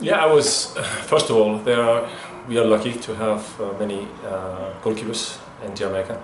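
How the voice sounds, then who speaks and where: At a moderate pace, a man talks with audible room echo and light background noise. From Iceland. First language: Icelandic. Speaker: football goalkeeper coach. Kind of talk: interview. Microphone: webcam.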